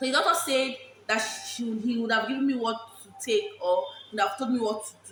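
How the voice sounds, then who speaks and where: Amid noticeable background noise and audible room echo, a woman talks at a fairly high pitch with ordinary pitch variation and a moderate pace. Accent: Nigerian. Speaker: vlogger. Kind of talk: personal testimony vlog. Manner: halting, repetitive.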